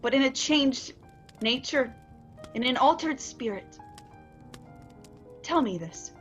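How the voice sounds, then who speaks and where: A woman acts out a young, heartbroken sweetheart with a high, earnest voice. She speaks formally and with sorrow, as in a radio drama. The recording is a little muffled, with clear music underneath. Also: expressive, slow. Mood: sad, searching. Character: Belle, heartbroken young woman releasing her fiancé. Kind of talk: radio play acting. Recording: dull lo-fi audio under music.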